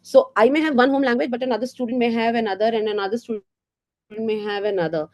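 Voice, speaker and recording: A woman's voice: fairly high pitch, quick pace, darkish tone. Indian woman giving a teacher training talk. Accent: Indian English. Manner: earnest, explanatory, with frequent fillers and rhetorical questions. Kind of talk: professional development talk for teachers.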